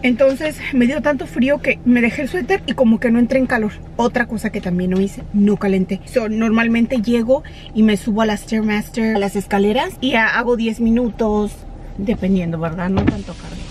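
A woman's voice: fairly high pitch, normal speed, a little mellow, low-quality recording. A woman in her thirties chatting to her viewers from the driver's seat as she runs errands. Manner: chatty, switches into English with staff and kids. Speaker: vlogger. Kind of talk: casual chat to camera while driving. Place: inside a car, in a drive-through and parking lot. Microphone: camera mounted on the dashboard. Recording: car interior with clear road noise.

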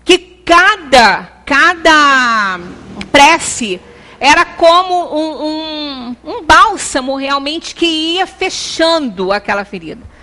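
A middle-aged Brazilian woman speaks to a small audience with a high, bright voice. She is earnest and halting, breaking off and restarting her phrases. The sound comes from a camera across an indoor meeting room. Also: expressive. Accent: Brazilian Portuguese. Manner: earnest, gesturing, many pauses and restarts. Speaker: lecturer at a spiritist center. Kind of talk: devotional talk. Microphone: far camera.

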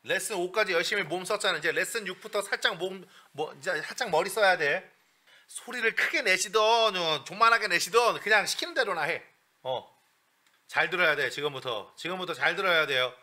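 A male vocal coach giving a lesson in a blunt, bossy, joking way with coarse slang, breaking into breathy falsetto demonstrations. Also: normal speed, bright, forceful tone.

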